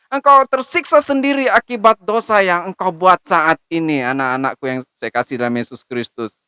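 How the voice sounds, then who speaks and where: A young woman preaches a sermon to a youth service, speaking directly and admonishingly as she draws on her own experience as personal testimony. Her fairly low voice is pushed and bright, with a clean tone, at a moderate pace, and the recording is dry.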